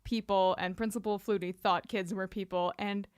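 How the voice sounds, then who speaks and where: A woman's voice: medium pitch, steady tone, moderate pace, a little mellow, clean tone, dry recording, studio quality. A woman co-hosting a podcast, chatting casually about a TV show in a playful, wry, rambling way full of "like". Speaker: podcast co-host.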